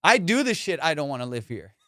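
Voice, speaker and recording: A man's voice: fairly high pitch, big pitch swings, fast, bright, forceful tone, dry recording. A male comedian hosting a podcast in casual, slangy, profane chat with a teasing comic manner, recorded close.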